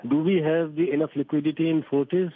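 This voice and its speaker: A man's voice: fairly high pitch, fairly even intonation, fast. A man calling in as a reporter to ask questions on a conference call, speaking politely. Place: phone call. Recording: tinny phone line.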